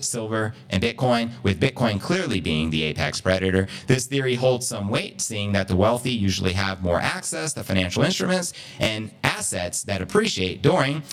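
A man's voice: on the low side, creaky. A man hosting a live crypto news commentary stream in an emphatic presenter style with some slang, recorded with echoey audio. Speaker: livestream host. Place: indoor livestream with echoey sound.

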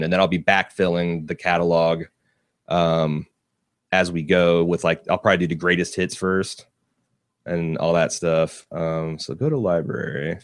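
Low-voiced swearing podcast host. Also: male voice, no room sound, studio quality. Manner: joking, swears freely, laughs often. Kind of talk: casual chat while testing software. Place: small studio. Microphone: studio mic.

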